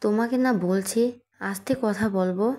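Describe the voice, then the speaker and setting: A woman's voice: mid-range voice, steady tone, normal speed, dark tone, close to an everyday voice. A woman voicing a strict middle-aged mother who talks in a stern, commanding way, in an audio story reading.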